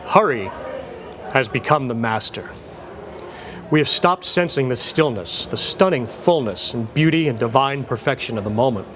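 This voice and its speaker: A man giving an earnest, measured reading of a scripted motivational text. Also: mid-range voice, animated, background noise.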